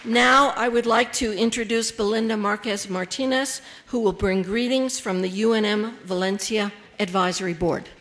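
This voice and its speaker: A woman serving as the emcee of a ceremony, reading out names, titles and introductions in a measured way. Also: mid-range voice, fairly even intonation, fairly bright tone, some chatter behind, a little hiss or hum.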